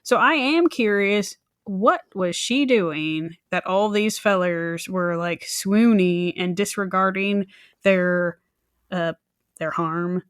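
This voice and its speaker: A woman's voice: fairly low pitch, takes it slowly, clear, resonant tone, dry recording, studio quality. A woman co-hosting a true crime podcast, chatting casually and jokingly, with little asides in acted voices. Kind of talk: casual banter about a crime case.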